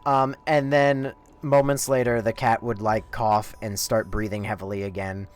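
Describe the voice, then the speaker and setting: A man's voice: lowish voice, flat delivery, normal speed, darkish tone. A man streaming a game, telling a story in a rambling, profane, casual way. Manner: rambling, profane, laid-back.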